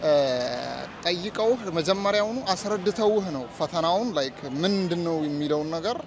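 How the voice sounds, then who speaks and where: A man's voice: sits high, expressive, very fast, a crowd in the background. A man student explaining, thoughtfully and step by step, how classes differ. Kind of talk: casual explaining.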